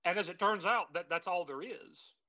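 A man's voice: high-pitched, normal speed, sharp tone. A man with a Southern American drawl chatting casually and jokingly as a podcast co-host.

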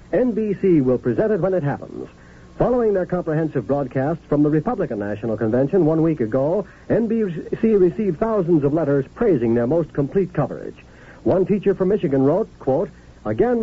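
Husky, tinny vintage American radio announcer man. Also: on the high side. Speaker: network announcer. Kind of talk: 1950s radio promotional announcing. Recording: very narrow, tinny old radio recording.

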